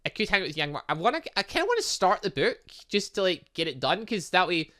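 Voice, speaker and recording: Here the same kind of host, a man running a gaming channel, chats through a visual novel let's play, musing aloud, reading bits of on-screen text, and mumbling little side remarks. He talks fast in a high, sing-song voice that sounds bright and forceful.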